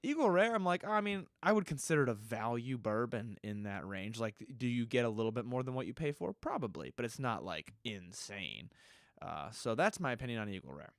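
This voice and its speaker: A man with a slightly stuffy nose, hosting his own podcast in a relaxed, rambling way. He often stops to correct himself, and his voice sits at an ordinary middle pitch. The sound is close and dry, with no room echo. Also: brisk. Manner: loose and rambling, with frequent self-corrections. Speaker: podcast host. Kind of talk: casual solo podcast answering listener questions.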